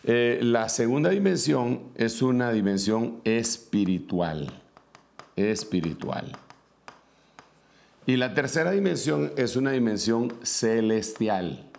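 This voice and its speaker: A man's voice: mid-range voice, expressive, takes it slowly, creaky, a little mellow. A man preaching a sermon, reading scripture aloud and then explaining it at a whiteboard with many fillers and asides.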